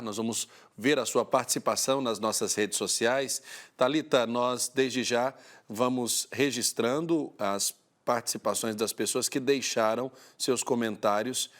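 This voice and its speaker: A priest hosting a Catholic TV program, reading church news in a steady, formal newsreader manner. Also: male voice, mid-range voice, a little slow.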